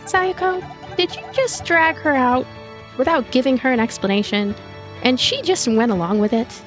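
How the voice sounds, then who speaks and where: A woman's voice: high voice, sing-song, normal speed. A woman voicing a breezy, chatty girl in a visual novel game. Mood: incredulous. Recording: music behind the voice.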